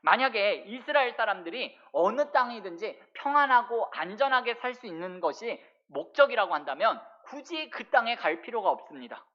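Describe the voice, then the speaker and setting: A woman pastor preaches with a lively, swinging pitch and keeps putting questions to her congregation. Her voice comes through a dull, muffled lo-fi church recording. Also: normal speed, hardly any pauses. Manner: addresses the congregation often with rhetorical questions. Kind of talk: sermon.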